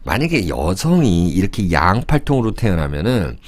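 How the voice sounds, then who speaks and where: A man's voice: low voice, big pitch swings, moderate pace. A man in his fifties lecturing in a casual, conversational way about fortune-telling charts, thinking aloud and asking rhetorical questions as he sketches.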